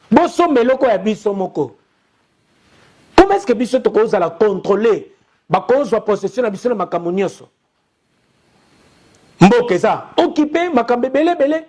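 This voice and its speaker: A man's voice: very high voice, a little mellow. A young man from Congo with a Congolese accent, giving an impassioned online TV commentary full of repeated, rallying appeals to his listeners. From Democratic Republic of the Congo. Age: young adult.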